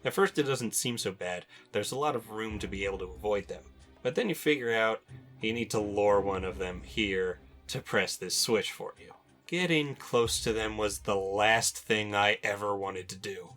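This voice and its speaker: Young man, low voice, informal game commentary, wry asides, faint music behind. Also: normal speed, a bit bright. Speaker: video game countdown host. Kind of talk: personal video commentary.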